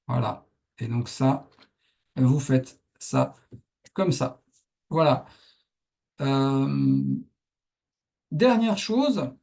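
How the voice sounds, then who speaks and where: A man's voice: mid-range voice, creaky, warm tone, husky. A man teaching the Arabic alphabet in French, patiently explaining as he writes out examples. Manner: patient, thinks aloud while writing. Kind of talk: explaining a writing lesson.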